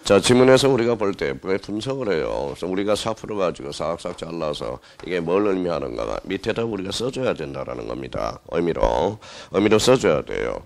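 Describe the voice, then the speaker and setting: A man's voice: low-pitched, sing-song, fairly quick, creaky, hardly any pauses. A male exam-prep lecturer teaching a class, who asks the students questions, answers them himself and repeats the key words.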